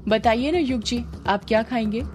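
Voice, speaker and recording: A woman's voice: fairly high pitch, normal speed, a little mellow, soft background music, close to an everyday voice. Amodita, a meek, sweet young woman, read by a narrator. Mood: deferential.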